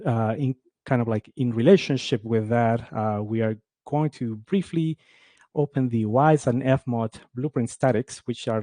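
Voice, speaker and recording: A man's voice: fairly low pitch, dark tone, no room sound. A man from Ecuador giving a conference talk on game audio, speaking with many fillers and restarts.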